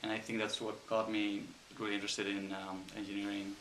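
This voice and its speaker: A man from Spain with a Spanish accent, an engineer answering interview questions thoughtfully with frequent pauses and ums. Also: lowish voice, completely flat delivery, a bit bright, echoey room, slight background noise, rough recording. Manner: thoughtful, hesitant with many ums.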